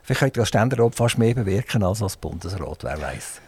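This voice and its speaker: A man's voice: on the low side, sing-song, brisk, a little mellow, husky, no echo. Swiss German male radio host, dry studio mic, chatty and rambling. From Switzerland. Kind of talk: radio interview.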